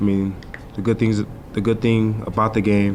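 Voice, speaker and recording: A man's fairly low, monotone voice with flat intonation, plus noticeable background noise and audible room echo. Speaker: college football player. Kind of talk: press conference interview. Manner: halting.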